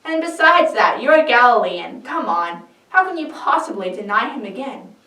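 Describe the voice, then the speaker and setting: A woman's voice: on the high side, very animated, moderate pace, bright, forceful tone. A woman playing suspicious, insistent bystanders making accusations in a dramatic scripture reading. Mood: accusing. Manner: insistent, emphatic. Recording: echoey room, distant microphone.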